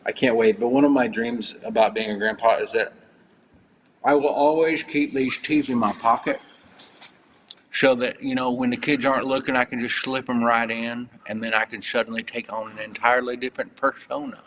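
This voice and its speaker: A man's voice: mid-range voice, fairly even intonation, normal speed, a bit bright, in a large hall, slight background noise, rough recording. Jokey man reading silly fan entries. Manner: jokey, reads in silly put-on accents with false teeth. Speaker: co-host reading fan Mad Libs. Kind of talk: playful livestream banter.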